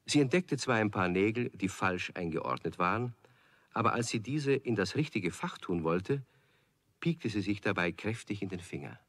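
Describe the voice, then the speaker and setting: A man's voice: lowish voice, animated, normal speed, a bit bright, no room sound. A man narrating a scripted children's story as a wry storyteller.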